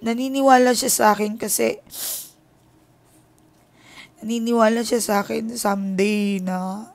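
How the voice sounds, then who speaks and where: Filipina tarot reader confiding a story. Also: female voice, fairly high pitch, fairly even intonation, unhurried, creaky, darkish tone. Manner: candid, confiding, strings thoughts with many filler connectors. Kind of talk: casual personal storytelling.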